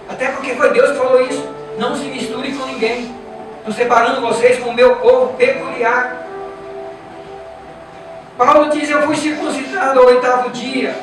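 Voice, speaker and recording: A man with a Brazilian Portuguese accent preaches in an emphatic, repetitive way, firing rhetorical questions at his congregation. His voice is heard from a distance with heavy echo, and music plays clearly behind him. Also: extremely high pitch. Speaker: pastor. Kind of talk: sermon. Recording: echoey church from afar with music.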